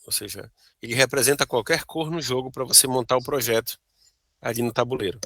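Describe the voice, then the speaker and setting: A man's voice: medium pitch, a little fast, pushed and bright, dry recording, studio quality. A Brazilian man, a board game designer, explaining his prototype over a video call, checking in with "né?" and "tá bom?". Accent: Brazilian Portuguese. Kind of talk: casual interview chat.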